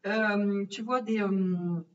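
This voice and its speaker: A French vlogger recounts her trip in loose, chatty storytelling full of fillers and small acted-out asides, her mid-range voice fairly even with drawn-out words. She sits back from the mic, leaving the sound distant, dull, and lo-fi.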